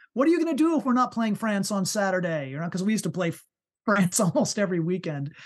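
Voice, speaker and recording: Speaking very fast in an American accent, a man uses a high pitch with very wide pitch swings. The background is quiet. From US East Coast.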